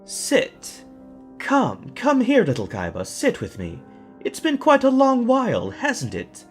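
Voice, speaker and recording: A suave male villain for an audio drama. He draws his words out slowly and swings wildly in pitch, all patronizing courtesy and theatrical menace. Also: wildly swooping pitch, soft background music, heavily acted. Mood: gloating, falsely friendly.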